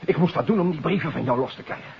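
A man's voice: a little high, animated, very fast, creaky. An actor playing a defensive, stubborn accused man in a 1950s radio drama, with an emphatic delivery. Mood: defensive, agitated. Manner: protesting, emphatic. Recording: muffled, faintly noisy 1950s radio recording.

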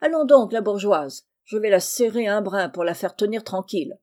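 Rough jolly carter, loud rustic talk, warm mellow tone; woman narrator puts him on. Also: mid-range voice, expressive, normal speed, natural voice. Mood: blustering. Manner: loud, blustering, rustic country speech.

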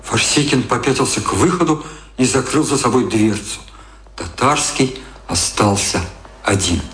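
A man's voice: mid-range voice, animated, moderate pace. A man narrating a radio drama from a literary script. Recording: roomy echo with prominent music.

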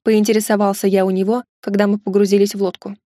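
A woman narrating an audiobook with an even, steady reading. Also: mid-range voice, quick pace. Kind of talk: scripted narration.

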